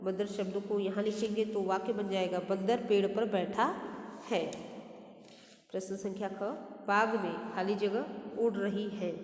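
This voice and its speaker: A woman teacher explains a workbook exercise step by step, dictating each word slowly. Her voice sits at a middle pitch. It carries a roomy echo with a long trailing reverb. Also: a little mellow. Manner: slow, deliberate word-by-word dictation with self-corrections. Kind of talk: step-by-step textbook lesson. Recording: echoey room with long reverb.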